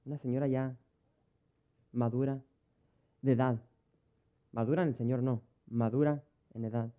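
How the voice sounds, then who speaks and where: Direction: a man preaching in an easy, conversational way, acting out the people in his stories at a mid-range pitch. The sound comes through thin and tinny, like a phone line. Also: fairly even intonation, moderate pace. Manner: conversational, storytelling, acts out dialogue. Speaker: pastor. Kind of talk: sermon with personal anecdotes. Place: church.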